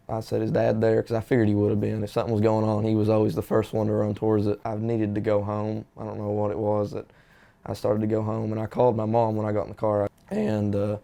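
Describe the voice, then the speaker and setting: A young man from Kentucky in an interview, speaking in a halting, soft-spoken, grieving way. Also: on the low side, gravelly. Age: young adult. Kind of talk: emotional interview.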